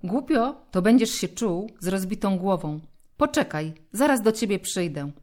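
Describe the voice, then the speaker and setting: A woman voicing a lively, loud young boy who bosses his best friend around in a storybook reading. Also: mid-range voice, normal speed, natural voice. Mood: insistent.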